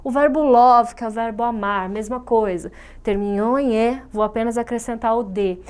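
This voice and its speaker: A woman's voice: fairly high pitch, moderate pace, a little mellow, clean tone. A Brazilian woman English teacher giving a recorded online grammar lesson in a patient, explanatory way, often checking understanding. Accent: Brazilian Portuguese.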